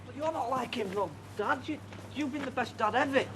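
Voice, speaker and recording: A man's voice: very high voice, fairly quick, background noise. An actor playing a hopeful, earnest son who speaks pleadingly to his father. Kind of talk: TV soap drama acting.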